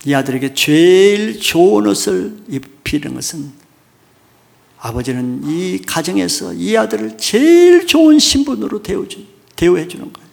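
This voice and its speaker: A male pastor delivers a sermon in a storytelling way, often turning to his listeners with questions. His voice sits a little high for a man and carries a gravelly fry. He speaks in an even, explanatory way. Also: moderate pace.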